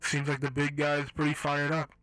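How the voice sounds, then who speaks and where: A man voicing a calm, menacing male masked healer in a storybook reading, speaking softly and unhurriedly with quiet amusement. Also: a little high, brisk, no echo, natural voice, low-quality recording. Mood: cool menace.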